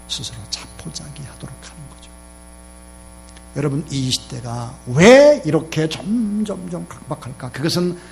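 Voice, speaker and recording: Male pastor, gravelly, emphatic sermon delivery, faint hum behind. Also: medium pitch, poor audio. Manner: emphatic preaching, has congregation repeat phrases.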